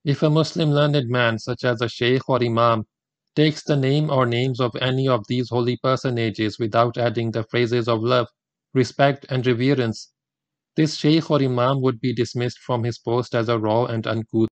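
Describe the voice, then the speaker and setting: An older man whose mother tongue is Gujarati delivers a formal religious talk in English. He speaks in a measured, deliberate cadence at a middling pitch. The recording is close and dry, with little room sound. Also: fairly even intonation, no echo. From India.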